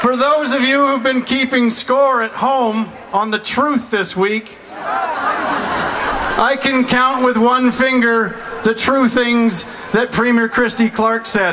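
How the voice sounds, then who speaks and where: A man with an extremely high pitch uses a raised, projected voice at very even loudness and a very slow pace, with noticeable background noise behind him. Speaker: opposition politician. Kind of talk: fiery outdoor rally speech, mocking the premier with a string of rhetorical questions. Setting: outdoor rally stage with crowd. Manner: rousing crowd-pleaser, building up to a big introduction. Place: street. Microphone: camera far.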